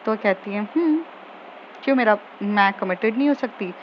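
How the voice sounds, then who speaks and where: A woman's voice: mid-range voice, brisk. A woman casually retelling a romantic story scene by scene, quoting the characters' lines, with frequent fillers. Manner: chatty, retells scenes with quoted dialogue and fillers. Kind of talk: casual spoken story recap. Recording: dull lo-fi audio with faint noise.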